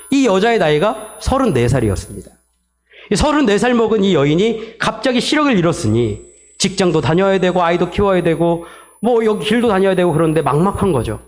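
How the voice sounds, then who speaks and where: A male pastor preaching a sermon, telling a story to his congregation and acting out the quoted lines in a softer voice. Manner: storytelling, acts out quoted dialogue in softer lower tones; addresses the congregation directly, asks for amens.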